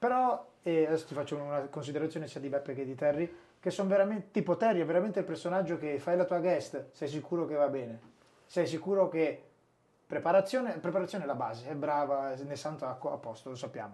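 Very fast speech from a man, dark and mellow in tone, with ordinary pitch variation. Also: fairly high pitch for a man. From Emilia-Romagna, Italy. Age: 30s. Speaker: podcast host and bartender. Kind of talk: casual interview chat.

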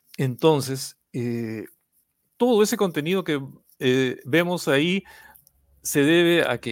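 This man's voice sits at a fairly high pitch and carries a lively intonation. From Peru, Lima. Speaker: programmer and translator, open mapping volunteer. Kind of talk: explanatory talk in an online panel.

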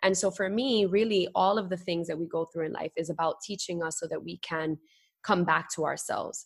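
An ordinary speaking voice: a woman with an American accent, fairly low in pitch, fairly even intonation, moderate pace, on a very clean recording with a silent background. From New York, Brooklyn. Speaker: author and wellness coach. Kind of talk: interview.

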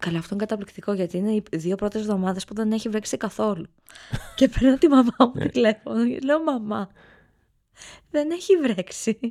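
A woman with a fairly high pitch and a dark, mellow tone talks at a moderate pace, her lively intonation paired with big swings in loudness and long, frequent pauses. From Greece, Ioannina (Epirus). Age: 30s. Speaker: journalist and author. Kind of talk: personal testimony in interview.

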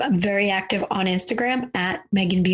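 A woman speaks at a medium pitch with ordinary pitch variation. She has a plain, everyday voice. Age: 40s. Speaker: magazine editor and author. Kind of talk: interview.

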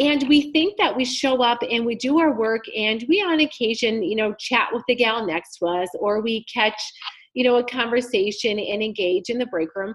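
Fairly high-pitched with ordinary pitch variation, a woman with an American accent has an unremarkable speaking voice and keeps a moderate pace. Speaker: personal trainer and health coach. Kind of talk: casual chat.

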